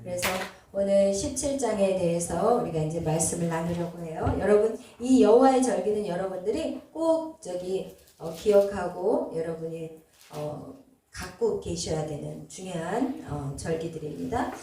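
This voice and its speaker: A woman pastor teaching a Bible passage to her congregation, explaining as she goes with frequent pauses and fillers. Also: fairly low pitch, lively intonation, mellow, a little hiss or hum. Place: church sanctuary. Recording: very echoey hall, voice from far off.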